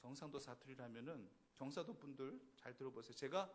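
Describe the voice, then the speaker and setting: A man's voice: medium pitch, expressive, brisk. A man from Seoul preaching a sermon at a church service, emphatic and at times playful with the congregation. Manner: emphatic preaching with rising, swelling phrases. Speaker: pastor.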